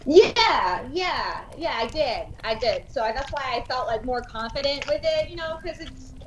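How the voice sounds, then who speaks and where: A woman's voice: high-pitched, animated, moderate pace. A woman chatting casually as a guest artist on a show. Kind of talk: casual chat. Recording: very echoey room, faint noise.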